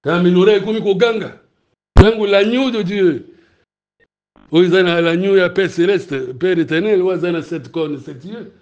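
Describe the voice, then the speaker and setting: Congolese-accented male preacher, high voice, lively teaching sermon, keeps checking the room understands, roomy echoing hall. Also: normal speed, lo-fi sound. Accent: Congolese French. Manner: animated, asks the room if it is clear, laughs between points. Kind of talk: sermon mixing teaching and questions to the congregation.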